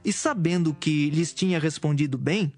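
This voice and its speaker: Slightly high-voiced male Bible narrator. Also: normal speed, darkish tone, faint music behind. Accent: Brazilian. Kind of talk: scripted scripture narration.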